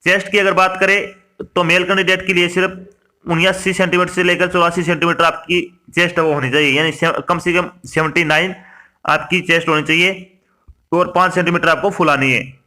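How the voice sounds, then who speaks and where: A man's voice: sits high, little pitch movement, brisk, sharp tone. A man from India giving an instructional explainer, reading out lists and addressing listeners directly. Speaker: exam information presenter.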